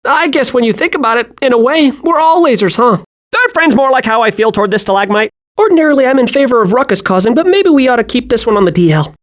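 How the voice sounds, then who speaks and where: Scatterbrained kiddy squirrel for a cartoon game, super high, voice jumping all over. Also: male voice, quick pace. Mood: cheerful, naive. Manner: excitable, naive, wide-eyed. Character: hyperactive, childlike, scatterbrained young male squirrel. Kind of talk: animated video game voice acting.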